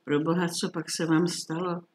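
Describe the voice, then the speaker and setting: A man's voice: on the high side, flat delivery, slight background noise, close to an everyday voice. A man reading the lines of a worried, bespectacled doctor friend in a storybook reading, in an earnest, anxious manner.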